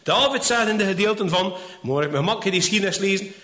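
Lively preacher in an echoey room. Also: male voice, high voice, fast talker. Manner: retells scenes in acted voices, with frequent "hè?" tags. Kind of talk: Bible teaching, retelling a story.

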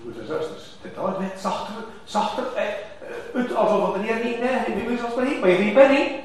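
Animated preacher in an echoey hall. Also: male voice, high voice, a little fast. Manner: animated, emphatic preaching with rising exclamations. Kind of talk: sermon. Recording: echoey church hall from far off.

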